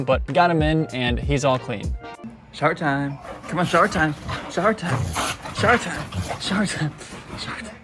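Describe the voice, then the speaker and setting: A road trip vlogger talks loosely to his camera with a middle-pitched male voice, drifting from one thought to the next and chuckling often. Soft music sits faintly beneath his voice. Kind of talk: casual vlog chat.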